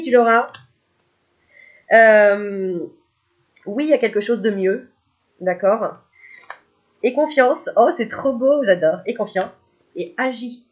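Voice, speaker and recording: A chatty woman with a cold gives a casual card reading to her viewers as a spiritual medium. She jokes and laughs often in a middling voice. The recording sounds slightly dull and lo-fi. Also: mid-range voice. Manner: chatty and joking, laughing often between remarks. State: has a cold.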